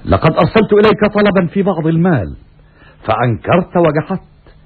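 An actor playing a stern, righteous Roman commander, declaiming with scornful anger in classical Arabic radio theatre style, with a husky voice. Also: male voice, on the high side, sing-song, a little fast, full character voice. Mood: righteous indignation. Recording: muffled, raspy, phone-like old radio recording.

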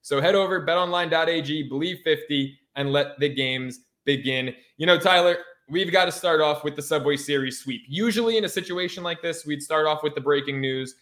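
A man's voice: a little high, fairly quick, few pauses, a bit bright. A man co-hosting a sports podcast in a casual, brash, slangy style with some swearing.

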